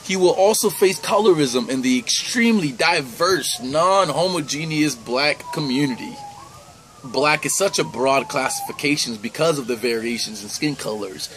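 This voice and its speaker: A man's voice: fairly high pitch, expressive, moderate pace, a bit bright, a little hiss or hum, rough recording. A young man from the United States talking earnestly and conversationally to the camera in a personal vlog, recorded indoors close to the camera. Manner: earnest, conversational, with easy laughs. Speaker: vlogger. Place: indoors by a plain wall.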